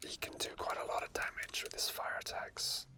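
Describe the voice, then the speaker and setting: This man, a game streamer, keeps to a soft, nearly voiceless whisper as he narrates his gameplay in unscripted ASMR style. Though brisk in pace, he sounds murmured and hesitant, with plenty of small asides.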